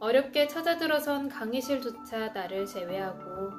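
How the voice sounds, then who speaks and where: With lively intonation and a fairly slow pace, a woman talks while music plays in the background. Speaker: announcer. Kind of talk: audiobook reading of an essay. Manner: calm, soothing.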